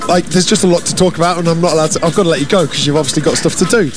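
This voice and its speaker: A man's voice: on the high side, rapid-fire. A man hosting a festival radio interview, asking questions in a friendly, teasing way. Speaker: radio host. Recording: music playing behind. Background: music.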